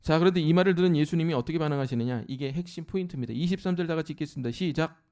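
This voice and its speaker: A man preaching a sermon in church, explaining scripture and acting out lines with rising force. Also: racing. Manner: animated preaching, shouting scripture at peaks, then dropping low. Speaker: pastor. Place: church sanctuary.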